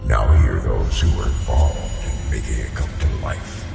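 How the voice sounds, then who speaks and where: A man voicing an ominous deep-voiced announcer introducing the show, slow and menacing. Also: vocal fry, heavily acted. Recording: echoey, distant, under loud scary music.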